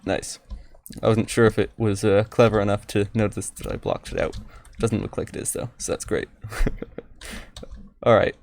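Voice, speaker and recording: A man giving casual, halting let's play commentary, often repeating words, his speech slightly impeded by wearing retainers. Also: medium pitch, darkish tone. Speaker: gaming video host.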